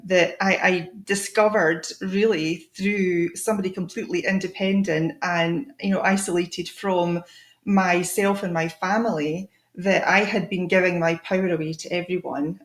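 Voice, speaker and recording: A middle-aged Scottish woman, a guest in an interview, talking reflectively with many pauses and restarts. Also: lowish voice, flat delivery, reverberant. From Scotland. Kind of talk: conversational interview.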